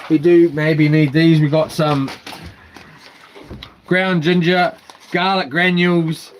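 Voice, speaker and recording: A man with a broad New Zealand accent talks casually to his stream, half muttering to himself in loose slang. His voice sits a little high and he takes his time between phrases. The recording has some background noise and clatter. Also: little pitch movement, slow pace. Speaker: live streamer. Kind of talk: casual vlog chat, talking while tidying.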